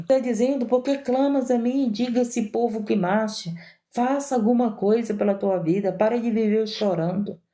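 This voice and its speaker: A Brazilian woman preaches with fervor, hammering on repeated phrases and speaking straight to her congregation. Her voice is mellow and warm, sitting at an ordinary pitch for a woman. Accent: Brazilian Portuguese. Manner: fervent, repetitive preaching that addresses the listeners directly. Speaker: missionary preacher. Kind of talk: sermon.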